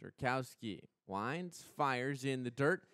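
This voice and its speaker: A young American man doing live radio play-by-play commentary of a softball game as the announcer. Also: medium pitch, no echo, clean studio sound. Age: young adult. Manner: measured between plays, excited on big plays.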